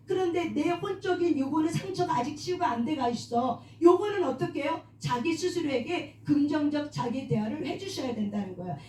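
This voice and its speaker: Leading a prayer meeting, a woman preaches a sermon on forgiving oneself, asking the audience questions, answering them herself and calling for amens. Her high voice is a little mellow, caught off-mic from a distance in an echoey room with slight background noise.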